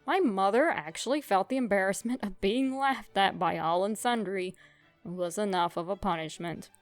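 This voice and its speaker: A young woman narrating a comic childhood story in a wry, self-mocking, expressive way. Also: mid-range voice, normal speed, no room sound, faint music behind.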